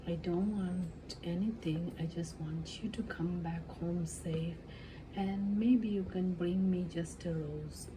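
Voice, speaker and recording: A woman voicing a kind, selfless young fairy-tale daughter, modest and gentle. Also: on the low side, steady tone, slow pace. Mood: modest, caring. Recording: clearly noisy background.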